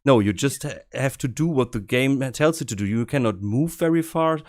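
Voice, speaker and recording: A man's voice: mid-range voice, normal speed. A man with a German accent hosting a podcast, talking casually with frequent restarts. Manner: hesitant, many restarts and fillers. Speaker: podcast host. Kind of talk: casual discussion.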